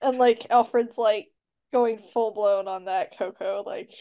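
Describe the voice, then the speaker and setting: Slow-talking woman, podcast guest. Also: medium pitch, fairly even intonation, warm tone. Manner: easygoing, laughs along. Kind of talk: casual film review chat.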